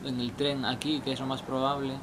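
Standing under a station shelter at night, a young man vlogs casual advice in a medium-pitched, level voice, talking a little fast. His talk rambles with frequent hesitations and restarts, and the outdoor night audio is noisy.

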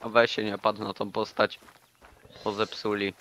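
A young man chatting casually and excitably while playing a hunting game with a friend. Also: lowish voice, moderate pace. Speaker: gaming YouTuber. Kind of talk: casual co-op gameplay chat.

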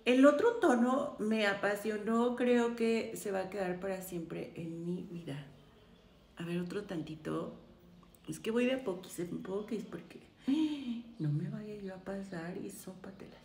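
A woman's voice: medium pitch, measured pace, creaky, a little mellow. A woman, chatting effusively to viewers while trying on makeup. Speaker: beauty vlogger. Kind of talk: casual makeup try-on chat. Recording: roomy echo, faint room noise.

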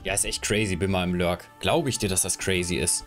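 A man's voice: low voice, steady tone, a little fast, fairly bright tone, soft background music. Rambling young man streaming from home. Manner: chatty, rambling while fiddling with his camera setup. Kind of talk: casual live stream chat. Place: home room, indoors. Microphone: headset.

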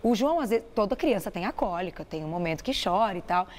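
A woman's voice: medium pitch, expressive, fast, darkish tone, in a large hall. A woman hosting a TV talk show, talking effusively, telling personal anecdotes and addressing the audience.

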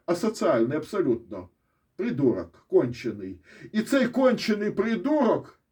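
Man, Ukrainian accent, casual solo commentary, sarcastic and blunt, swears, mellow tone. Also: on the high side. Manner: restarts and pointing asides. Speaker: military-political commentator.

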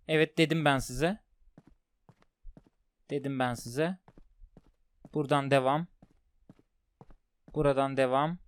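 A man commentating a horror game as he plays, talking to his viewers and jumping into loud yelps when scared. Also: on the high side, no room sound. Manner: talks to viewers while playing, jumpy and loud when scared. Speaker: gaming streamer.

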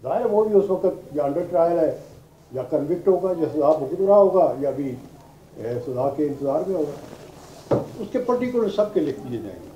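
A man's voice: on the high side, lively intonation, normal speed, dark tone. An older man with a Pakistani accent giving a classroom law lecture, explaining step by step with repetition and English legal terms. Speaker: law lecturer, retired judge. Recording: roomy, dull classroom recording with background noise.

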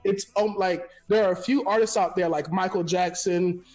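Young guy from florida on a headset at home, laughs a lot, high pitched, chatty. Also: moderate pace, faint music behind. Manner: animated, laughs often, rambling storyteller. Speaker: guest. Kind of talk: casual video call chat. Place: living room at home.

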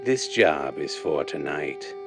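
A cold gangster boss from radio drama. His voice is very low, curt and commanding, full of menace. Music plays clearly behind him. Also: expressive, slow, heavily acted. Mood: cold, menacing. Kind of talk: old-time radio drama acting.

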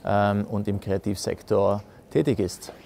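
A man's voice: fairly low pitch, level tone, measured pace, gravelly, background noise. A man, a guest in a casual interview who hesitates and restarts often. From South Tyrol, Italy. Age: 30s. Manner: hesitant, many restarts and fillers. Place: rustic hotel lounge with fireplace.

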